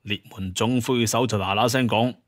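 A man's voice: lowish voice, fairly even intonation, moderate pace, dry recording, studio quality. A man narrating a story in a dramatic audio-drama style.

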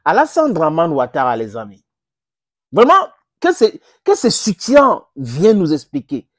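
A middle-aged man whose first language is English, giving impassioned direct-to-camera political commentary on a lapel mic, with sudden jumps in pitch for emphasis. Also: wildly swooping pitch, a little slow, no echo, clean studio sound. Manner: impassioned, gesturing, addresses viewers as friends, pitch jumps for emphasis. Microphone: clip-on lapel mic.

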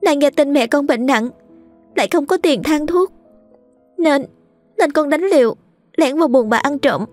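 A woman puts on a small, terrified servant girl who begs in a high, tearful, stammering voice. Soft music plays underneath. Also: animated, moderate pace, pauses often, dry recording. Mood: pleading. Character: terrified little servant girl, about nine, pleading.

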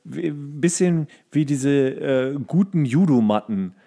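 A man's voice: fairly high pitch, expressive, slow, vocal fry, warm tone. A man co-hosting a podcast, chatting casually in a rambling, colloquial way with coarse slang. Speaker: podcast co-host. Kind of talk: casual chat.

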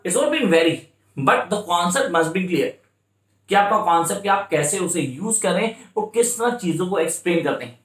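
A man with an Indian accent gives an exam-prep lesson, drawing out his English phrases slowly and circling back to the same points. His voice sits a little high for a man. The room around him rings with echo. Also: lively intonation, fairly bright tone. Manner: repetitive, coaching, slows right down for English phrases. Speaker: tutor. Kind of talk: exam-prep lecture in mixed Hindi and English. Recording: echoey room.

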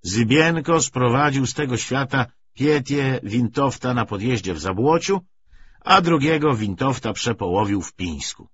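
A man's voice: medium pitch, lively intonation, measured pace, fairly bright tone, highs cut off, a little hiss or hum, pitched above the performer's own voice. A man voicing a young red-bearded Cossack soldier who mockingly banters and laughs in an audiobook. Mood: mocking glee.

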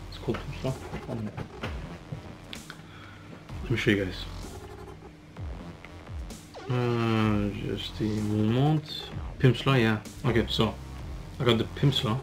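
Young guy vlogging his language practice, lowish voice, stops and fixes himself a lot, faint music behind. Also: steady tone, low-quality recording. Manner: halting, repeats and self-corrects while practising phrases. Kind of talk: casual self-study vlog. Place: small room with curtain backdrop.

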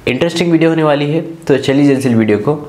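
A man's voice: fairly high pitch, quick pace, very noisy. Male Indian tech presenter, scripted tutorial narration, echoing room recording. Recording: roomy echoing voice-over.

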